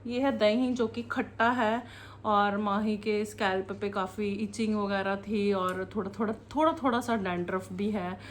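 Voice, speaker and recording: A woman's voice: medium pitch, fairly even intonation, unhurried. Mom in her 30s rambling in her kitchen vlog, laughs a lot, bit of faint room noise. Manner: chatty, rambling, laughs often. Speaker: vlogger, mother. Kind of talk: casual home vlog chat. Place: home kitchen.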